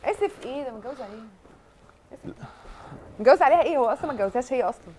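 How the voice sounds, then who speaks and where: Quick, high-voiced Egyptian host. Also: female voice. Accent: Egyptian Arabic. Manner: probing, addresses the audience, urges calm. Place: TV studio.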